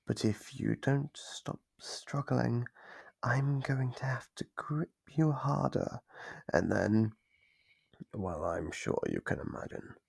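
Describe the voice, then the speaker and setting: A man voicing a playful, sadistic monster from under the bed in an ASMR roleplay, gravelly and breathy, savoring his slow, mock-gentle taunts. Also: medium pitch, lively intonation, dry recording, heavily acted. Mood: threatening. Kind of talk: ASMR roleplay, scripted monologue. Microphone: close microphone.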